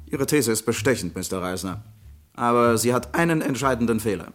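An actor playing a proud, bitter lawyer cornered as a murderer, in a dramatic, strained radio crime play style. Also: male voice, mid-range voice, lively intonation, fairly quick, faint music behind, close to an everyday voice. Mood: defiant, scornful.

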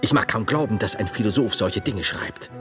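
A man playing a devout, self-assured medieval monk and philosopher in a theatrical drama, declaiming deliberately with scholarly emphasis. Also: fairly low pitch, big-room sound, over music, close to an everyday voice. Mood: troubled, reasoning. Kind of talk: theatrical German dialogue drama.

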